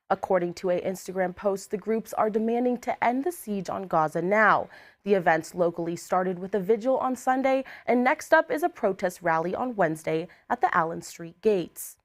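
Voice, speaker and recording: A woman anchoring a student news broadcast, reading from script clearly and evenly. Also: medium pitch.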